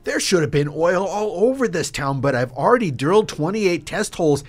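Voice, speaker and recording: A man's voice: on the high side, lively intonation, moderate pace. A man playing an eager, awkward Canadian oil geologist on a dinner date in an improvised radio drama, earnest and chatty.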